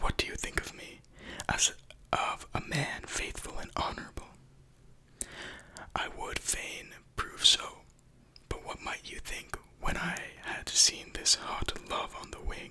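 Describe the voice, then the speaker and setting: Someone whispers in a relaxed tone at a fairly slow pace, with long, frequent pauses and noticeable background noise. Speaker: ASMR creator. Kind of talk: Shakespeare play reading. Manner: soft, relaxed.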